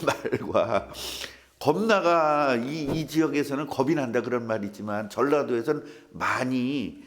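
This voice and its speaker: Older man, pastor, church sermon, gravelly voice, swooping pitch, funny stories. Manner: humorous storytelling, acts out quoted voices.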